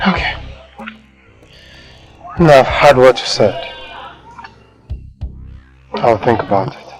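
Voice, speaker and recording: A man's voice: mid-range voice, expressive, takes it slowly, faint music behind. A man with a Nigerian accent playing an insistent, boastful young suitor in a film. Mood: pleading. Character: proud, possessive young man courting a maiden. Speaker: jilted suitor. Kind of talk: film acting.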